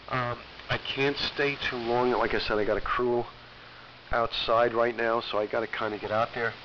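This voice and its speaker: Dull shortwave audio with a faint hiss carries a middle-aged American man with a slightly low voice. He has a bit of a cold and chats in a plainspoken, repetitive way as an amateur radio operator. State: getting over a cold. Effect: shortwave AM radio transmission. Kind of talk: casual radio chat. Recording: muffled, hissy shortwave radio reception. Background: faint static hiss.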